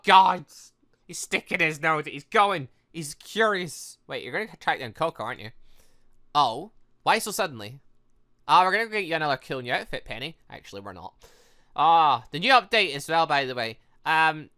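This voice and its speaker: A gaming video host giving casual let's play commentary, chatty, rambling and excitable, thinking aloud as they go. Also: medium pitch, normal speed.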